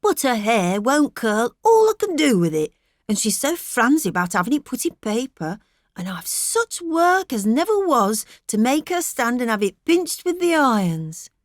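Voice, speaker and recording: Woman narrator as dull-witted mother, fretful, coaxing, complaining, lifted pitch, dry close storybook recording. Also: big pitch swings, moderate pace, dry recording. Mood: indignant, plaintive. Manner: fretful, plaintive scolding.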